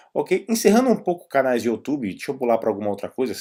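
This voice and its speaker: Here a man speaks with a fairly high pitch and very wide pitch swings. His tone is dark and mellow. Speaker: YouTuber, tech and programming content creator. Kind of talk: casual vlog talk.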